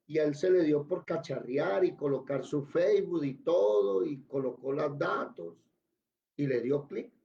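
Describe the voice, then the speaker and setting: A Colombian man teaches a Bible class by telling a story in a chatty way, pausing often to check that his listeners follow. His voice sits a little high with a soft, dark tone. The recording sounds dull and lo-fi. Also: gravelly. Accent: Colombian Spanish.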